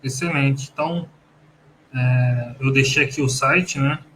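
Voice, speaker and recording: A man's voice: mid-range voice, a little slow, a bit bright, poor audio. Courteous male host, faint background noise. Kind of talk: live-stream interview hosting.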